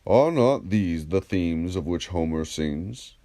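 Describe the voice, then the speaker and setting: A man plays a wise ancient philosopher in an audiobook dialogue. He questions politely and methodically in a low, mellow voice, unhurried, with lively rises and falls. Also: heavily acted. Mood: methodical reasoning. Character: wise, courteous Greek philosopher, patiently probing.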